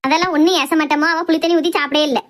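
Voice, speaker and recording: Cartoon role: quick-witted village worker, voiced by a woman, shrill and rapid. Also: fairly even intonation, a bit bright. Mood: teasing. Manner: brisk, teasing. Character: sharp-tongued village working woman. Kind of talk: cartoon voice acting.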